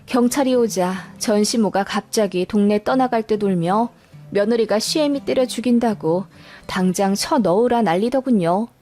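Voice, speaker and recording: Higher-pitched woman narrating a life story. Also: warm tone. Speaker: narrator of listener life stories. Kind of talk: scripted first-person story narration.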